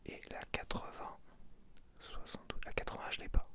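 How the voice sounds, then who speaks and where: A man whispering casual ASMR from his apartment, soft throughout, with grumbling asides. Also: moderate pace. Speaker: ASMR creator.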